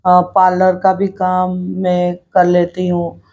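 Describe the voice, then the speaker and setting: Middle-aged woman vlogger, earnest personal talk, flat and dark-toned delivery. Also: on the low side, slow pace. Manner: earnest, reflective, repeats herself while speaking her mind. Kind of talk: personal vlog talk to camera.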